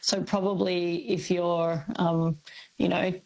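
A woman's voice: on the low side, level tone, slow pace, a little mellow, muffled recording. An Australian woman from Melbourne who explains language topics as a radio guest, thoughtful and full of ums. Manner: thoughtful, with many ums and likes.

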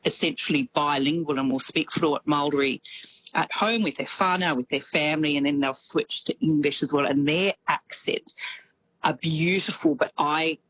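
A woman's voice: low voice, normal speed, a bit bright, breathy edge, low-quality recording. A woman correspondent with an Australian accent touched by New Zealand, chatting easily on radio and laughing often. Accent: Australian with some New Zealand.

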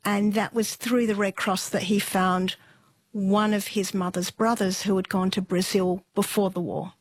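A middle-aged woman telling an interviewer her family's history in a relaxed, unhurried way, with fillers and soft laughs. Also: medium pitch. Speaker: interview guest.

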